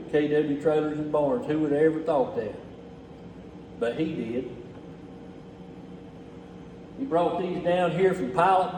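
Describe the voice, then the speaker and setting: Echoey, higher-voiced Southern US man. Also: mellow. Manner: folksy, plainspoken, addresses listeners as "folks". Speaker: relief effort organizer presenting donations. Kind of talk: casual unscripted talk to camera. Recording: echoey, distant mic, faint background noise.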